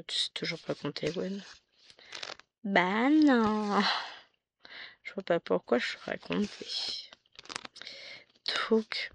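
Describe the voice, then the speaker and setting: A middle-aged Frenchwoman with a medium-pitched, slightly bright voice and vocal fry talks casually about her stitching, with a little hiss or hum in the recording. Her chat rambles and is self-mocking, with many asides and restarts.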